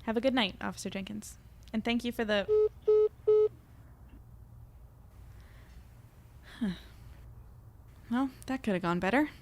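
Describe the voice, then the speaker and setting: A woman's voice: medium pitch, fairly quick, slight background noise, lightly acted. A woman playing an earnest, slightly awkward young newspaper reporter in a conversational audio drama. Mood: hesitant but resolved. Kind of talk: naturalistic audio drama dialogue and narration.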